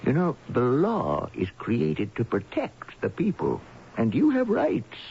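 Casting: fatherly, solicitous boss, gravelly, hugely animated pitch, radio-drama style, muffled noisy broadcast. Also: slow, full character voice. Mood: gentle concern. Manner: gentle, solicitous, hesitant. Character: kindly, concerned, fatherly male employer.

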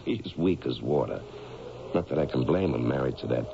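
An actor playing a bitter, self-pitying middle-aged ex-miner in a radio drama, grumbling and sarcastic. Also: male voice, extremely low pitch, expressive, normal speed, creaky, dark tone, heavily acted. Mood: resentful. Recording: muffled, lightly noisy old radio recording.

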